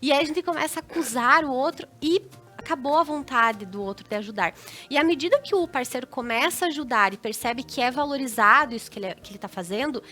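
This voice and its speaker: Brazilian woman guest adviser, bright and sharp, instructive manner, acts out dialogue. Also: high voice, fast, faint music behind. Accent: Brazilian Portuguese. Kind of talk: advice talk on a TV show.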